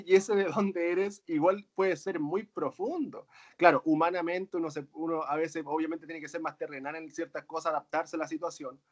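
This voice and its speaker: Guy talking slow and earnest, kinda high voice, keeps saying verdad. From Chile. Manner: earnest, tags phrases with "¿verdad?". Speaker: guest, author and coach. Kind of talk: reflective conversation.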